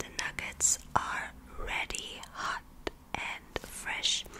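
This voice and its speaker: Someone is speaking in a whisper. The delivery is very slow. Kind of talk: role-play pretend play narration. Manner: soft ASMR cashier roleplay voice. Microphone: phone near.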